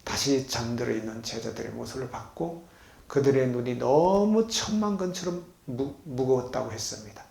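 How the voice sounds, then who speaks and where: A man preaching as a pastor, leading the congregation in reading and call-and-response, moving between loud exclamations and soft low asides. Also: creaky. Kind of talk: sermon with congregation reading along. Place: healing center meeting hall. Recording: echoey hall.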